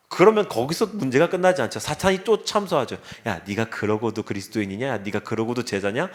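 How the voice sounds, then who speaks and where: Earnest pastor preaching, slightly high voice. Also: male voice. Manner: earnest preaching, with wry quips and acted asides. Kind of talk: sermon. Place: church sanctuary.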